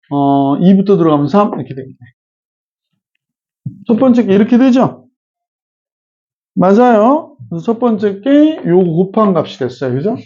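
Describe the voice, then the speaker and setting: With the highs cut off, the recording captures a mellow man's voice that sits high. He's a middle-aged math teacher giving a chatty lecture, pausing often to check on students and slipping into casual tangents.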